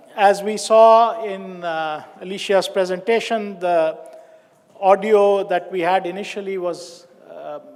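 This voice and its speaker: A man with an American accent speaks at a very slow pace, with long, frequent pauses. His pitch is high and his intonation fairly even, while his loudness swings widely. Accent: Indian, shifts toward American. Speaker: professor. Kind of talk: lecture. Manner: halting, many fillers.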